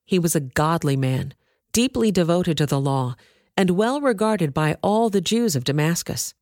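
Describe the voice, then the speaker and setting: A woman narrating a scripture reading in a measured, expressive way. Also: lowish voice, no room sound, clean studio sound. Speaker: reader.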